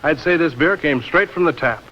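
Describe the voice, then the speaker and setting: A man's voice: on the high side, moderate pace. A man making a casual, impressed remark in an archival documentary clip. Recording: dull lo-fi archival film audio.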